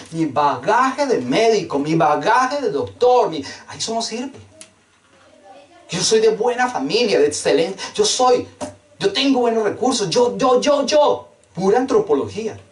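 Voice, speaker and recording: Preaching in an echoey room recorded from a distant mic, this pastor has a high-pitched, very animated voice and an unhurried pace. His sermon is fervent and emphatic, full of rhetorical questions and repeated phrases.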